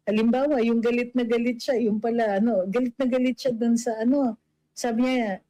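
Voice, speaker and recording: Warm-voiced woman, chatty political commentary. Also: fairly high pitch, no echo, poor audio. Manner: chatty, many fillers, mixes in English. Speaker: political vlogger. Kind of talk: casual commentary reading viewer comments.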